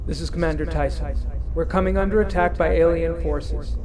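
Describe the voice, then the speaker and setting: A man's voice: fairly high pitch, fairly even intonation, fairly quick, a crowd in the background, natural voice. A man playing a firm space station commander with an authoritative, urgent manner in a sci-fi audio drama. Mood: urgent, commanding.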